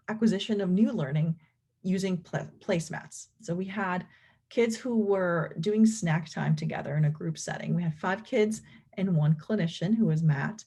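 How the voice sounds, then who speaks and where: Low, husky woman lecturing. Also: mellow. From Venezuela. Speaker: clinical professor and behavior analyst presenting research. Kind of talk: explanatory academic lecture.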